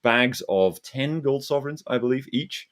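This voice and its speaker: A man's voice: mid-range voice, a bit bright. A man hosting a casual panel discussion, speaking in a hesitant, rambling way. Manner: hesitant, halting, rambling delivery. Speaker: host of an investment discussion.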